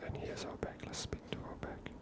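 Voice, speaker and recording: A host giving soft, relaxed, whispered commentary over a video game, chatty and unhurried. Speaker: ASMR gaming channel host.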